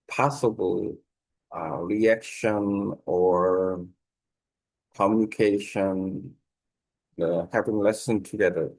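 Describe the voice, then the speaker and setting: Slow, low-voiced man explaining in halting English. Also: vocal fry, darkish tone, rough recording. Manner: halting, simple non-native English with searching pauses. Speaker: language learner giving a lesson. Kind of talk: unscripted explanatory talk.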